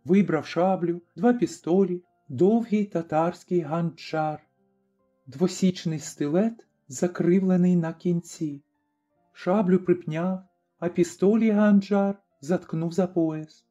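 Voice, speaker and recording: Mellow, fairly high-voiced male audiobook narrator. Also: takes it slowly. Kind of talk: scripted narration. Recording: slightly dull recording, faint music.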